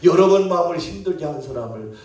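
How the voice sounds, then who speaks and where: A man preaching a sermon as pastor, playful and animated, calling out questions to his congregation. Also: on the high side, fast talker, distant mic. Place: church sanctuary. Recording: echoey church hall, mic from afar.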